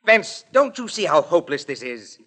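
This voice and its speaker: An actor playing a smug, cold-blooded racketeer in an old-time radio crime drama, taunting and self-assured. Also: male voice, fairly high pitch, very animated, moderate pace, fairly bright tone.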